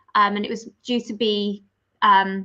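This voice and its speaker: A woman's fairly high-pitched voice with a slight Scouse accent and monotone, flat intonation. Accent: slight Scouse (Liverpool). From Liverpool, England. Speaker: activist. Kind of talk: casual chat.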